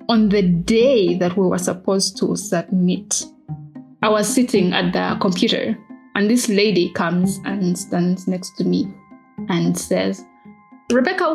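Ugandan woman, 20s, conversational first-person storyteller, reflective and unscripted, music underneath. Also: medium pitch. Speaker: interviewed alumna, history PhD student.

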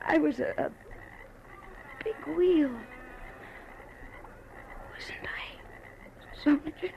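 An actress playing a bitter, reckless young woman in a 1940s radio drama, overwrought and halting, her voice tearful and breaking. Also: high-pitched, gravelly, in a whisper, muffled recording, full character voice. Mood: dying, wistful. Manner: slow, halting, overwrought delivery. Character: bitter, reckless young woman, doomed former big shot. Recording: noisy old radio recording.

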